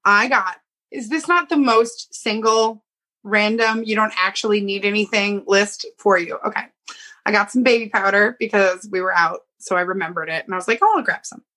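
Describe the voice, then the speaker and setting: A woman's voice: mid-range voice, normal speed, sharp tone. A woman co-hosting a podcast, telling rambling stories in casual chat. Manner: rambling, filler-heavy storytelling. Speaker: podcast co-host.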